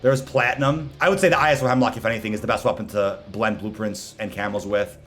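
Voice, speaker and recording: A man's voice: lowish voice, fast, fairly bright tone, soft background music. A man hosting a gaming video with casual, slangy gameplay commentary. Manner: slangy, informal.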